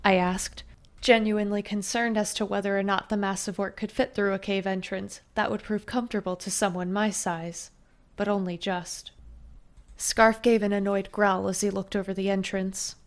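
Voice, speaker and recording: A woman tells a first-person fantasy story in a steady, even narrating style. Her voice is mid-range, and she speaks at a normal speed.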